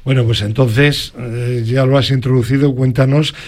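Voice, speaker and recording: A man's voice: mid-range voice, steady tone, moderate pace. A man from Granada hosting an interview, chatty and hesitant with frequent fillers. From Granada, Spain. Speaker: radio host.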